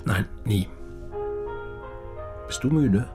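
Low, laconic male barkeeper. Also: lively intonation, warm tone, faint music behind. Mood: dry, easy. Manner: laconic, probing, unhurried. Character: calm, curious, tireless male barkeeper, a steady confidant. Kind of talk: naturalistic German radio drama acting.

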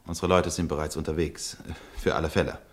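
A man playing a cold, condescending wartime officer in a German radio play, formal, officious and smoothly evasive. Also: very deep voice, little pitch movement, fairly quick. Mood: smoothly official.

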